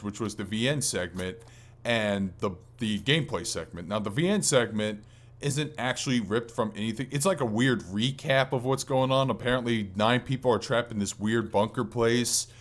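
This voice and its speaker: A man with a fairly low voice talks casually as a podcast host. His delivery is informal and rambling, with loose, sweary phrasing, like chatting with a friend about games. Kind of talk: casual gaming podcast chat.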